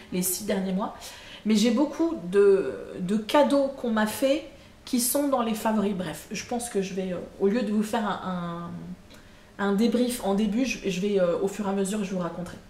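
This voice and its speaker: A woman vlogger chats casually on camera at home for a monthly video, her mid-range voice slightly mellow. Her speech is halting, packed with fillers and self-corrections. Echo fills the room and a faint hum runs underneath.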